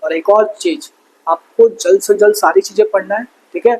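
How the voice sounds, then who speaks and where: A young man with a high, husky voice gives exam revision tips to students. He talks in a fatherly, encouraging way and often goes back over the same advice. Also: moderate pace, darkish tone, low-quality recording. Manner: fatherly, calls viewers "beta", repeats advice. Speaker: study tips presenter. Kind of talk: motivational study advice talk.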